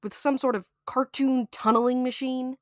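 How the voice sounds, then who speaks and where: A woman's voice: sits high, fairly even intonation, normal speed, no echo, natural voice. A woman acting a sarcastic, anxious, grumbling reluctant explorer in a naturalistic audio drama, with a dry, complaining delivery. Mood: sarcastic, irritated.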